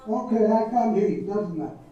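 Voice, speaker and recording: A man's voice: sits high, lively intonation, brisk, dark tone, highs cut off. A man speaking as a remote guest over a video call whose audio keeps dropping out, repeatedly asking if he can be heard. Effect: remote video call that keeps losing audio. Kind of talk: academic seminar talk. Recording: call audio played in an echoey hall, picked up from far off.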